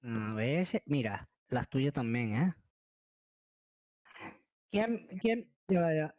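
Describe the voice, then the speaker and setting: A man's voice: mid-range voice, very animated, drawn-out words, darkish tone, dry recording, muffled recording. A man improvising casual game roleplay, theatrical and given to repeating himself. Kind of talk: casual roleplay chat while gaming.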